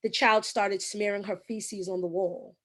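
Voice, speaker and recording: A woman with a slightly raspy voice, a guest giving earnest, explanatory advice in an interview with frequent ums. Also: medium pitch, fairly even intonation, measured pace, a bit bright.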